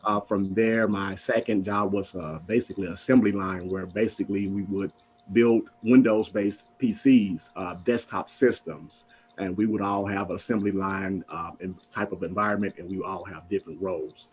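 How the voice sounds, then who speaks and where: A young man in his twenties talks through his background earnestly, dropping frequent fillers. His voice is low and husky. The call audio sounds dull and muffled. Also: fairly even intonation, moderate pace. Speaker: IT intern in mock interview. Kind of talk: self-introduction with fillers. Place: home room on video call.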